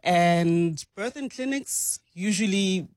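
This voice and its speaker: A man's voice: high-pitched, animated, slow, darkish tone, no room sound, studio quality. A man with a South African accent, a guest on a radio show, explaining earnestly and slipping in Setswana words. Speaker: doula, studio guest. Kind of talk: radio interview. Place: radio studio.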